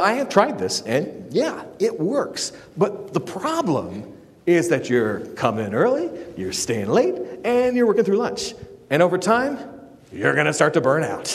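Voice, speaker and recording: A man in his forties giving a keynote speech in a hotel ballroom, animated and acting out the people in his stories. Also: on the high side, husky. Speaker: keynote speaker. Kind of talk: live keynote speech with storytelling. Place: large hotel ballroom, indoors.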